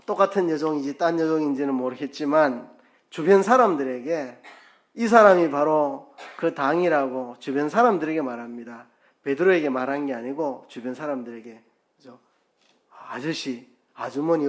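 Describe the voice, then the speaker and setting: Man, pastor, church sermon, slightly high voice, acted-out quotes, swings loud and soft. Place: church sanctuary.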